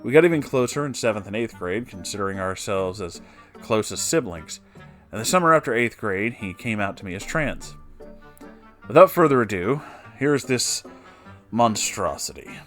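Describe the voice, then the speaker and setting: Low-voiced man reading a story over music. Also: animated, moderate pace, a bit bright. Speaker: narrator reading online stories. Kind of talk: reading a written story aloud with brief asides.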